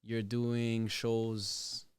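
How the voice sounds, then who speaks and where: Smooth-voiced man, casual bilingual chat. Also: mid-range voice, level tone, extremely slow, no echo, studio quality. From Toronto, Canada. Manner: switches between Spanish and English. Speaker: guest music artist.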